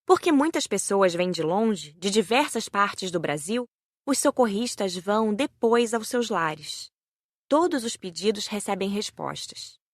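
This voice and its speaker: A woman's voice: mid-range voice, animated, no echo. Brazilian woman narrating, dry and close. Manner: measured storytelling. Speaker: audiobook narrator. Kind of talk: scripted narration.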